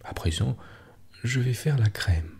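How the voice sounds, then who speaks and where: A man softly voicing a proud, mischievous little girl in a storybook reading. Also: mid-range voice, animated, a little slow, gravelly, husky, heavily acted. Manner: softly read, hushed.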